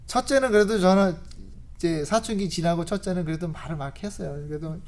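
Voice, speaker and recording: A woman's voice: on the low side, fairly quick. A woman preacher giving a conversational sermon at a church service, telling stories with rhetorical questions and laughing often. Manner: animated storytelling with rhetorical questions and frequent laughs.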